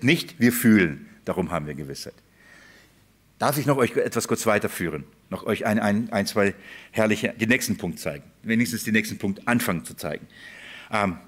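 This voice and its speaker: A man preaching a sermon, pressing his points with rhetorical questions to the congregation. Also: mid-range voice.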